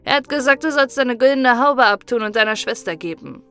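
A scheming old witch stepmother from a fairy-tale audiobook, acted by a woman. She wheedles slyly in a raised, somewhat higher voice. Faint music runs underneath. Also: animated, a little fast, fairly bright tone.

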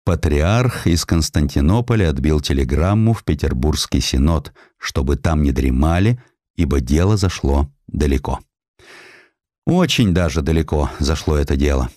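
Deep-voiced man narrating a historical story. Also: animated, moderate pace, a little mellow, no echo, clean studio sound. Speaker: audiobook narrator.

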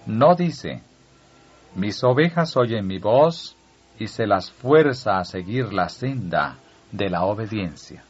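A man reading a devotional text aloud at a slow, measured pace, letting phrase ends fall. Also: on the low side, animated, husky. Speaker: audiobook reader. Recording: dull lo-fi audio with faint music.

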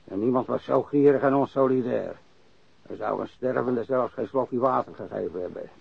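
An actor playing a crusty old warehouse worker and ex-sailor who grumbles and rambles bluntly, in a radio drama. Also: male voice, mid-range voice, moderate pace, vocal fry, slightly rough, no room sound. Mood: grumbling, reminiscing. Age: older. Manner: grumbling, rambling, cursing, repeats himself. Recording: dry, dull lo-fi radio recording.

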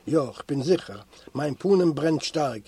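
A man's voice: fairly high pitch, animated, unhurried, gravelly, mellow, husky, heavily acted. A man voicing a feverish young male prisoner who pleads weakly and urgently, in a storybook reading.

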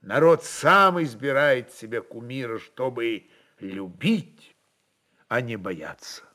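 A man narrating a literary work in a dramatic, expressive style, with emphatic phrasing and weighty pauses. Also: medium pitch.

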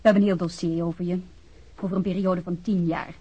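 An actress playing a tough, sardonic vice squad policewoman with a husky voice in a radio crime drama. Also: lowish voice, level tone, fast talker, dark tone, muffled recording. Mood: mocking, assured. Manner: sardonic, unyielding.

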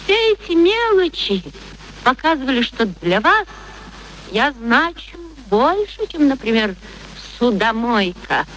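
A woman's voice: high-pitched, very animated, takes it slowly, a bit bright, heavily acted, rough recording. An actress playing a proud young former street girl turned lady, speaking with mannered, pointed politeness in a radio play. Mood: earnest, dignified. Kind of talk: theatrical radio play acting. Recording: faint background noise, archive radio recording.

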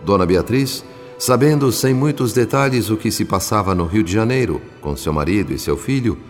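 A Brazilian actor playing a solemn spirit narrator in a radio drama, telling the tale in measured, literary diction. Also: male voice, on the low side, lively intonation. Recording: long reverb, music underneath.

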